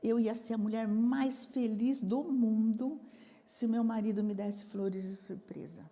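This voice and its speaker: A woman's voice: on the high side, fairly even intonation, a little slow, warm tone. A woman acting out a fussy wife who never says what she wants, whining and hard to please, in an echoey lecture hall. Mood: wistful, dodging. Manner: whiny, indecisive, hard to please.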